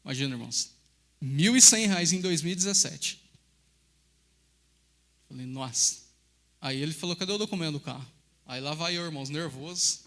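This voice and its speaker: A man's voice: a little high, a little fast, pauses often, fairly bright tone. A middle-aged Brazilian man, a pastor, telling personal stories in a sermon and often addressing the congregation as brothers. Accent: Brazilian Portuguese.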